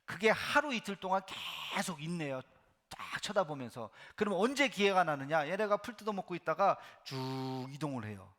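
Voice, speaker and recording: A man preaching a Sunday sermon in a church, telling Bible stories with animated acted-out voices. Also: fairly high pitch, moderate pace. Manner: animated storytelling, acts out biblical voices; drops to a soft hush for emphasis. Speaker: pastor. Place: church sanctuary.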